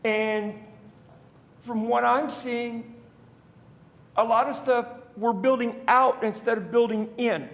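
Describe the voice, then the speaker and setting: A man's voice: very high-pitched, steady tone, slow pace, long pauses. A man giving public comment at a council podium microphone, conversational and rambling with restarts. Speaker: citizen speaker at council meeting. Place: council chamber. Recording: reverberant council chamber.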